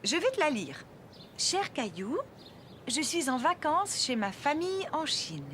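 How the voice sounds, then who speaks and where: High-voiced, gentle cartoon mum. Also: female voice, big pitch swings, unhurried, a little hiss or hum, full character voice. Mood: gentle, helpful. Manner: gentle, encouraging. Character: gentle, caring, upbeat young mother. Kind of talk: French-language children's cartoon dialogue.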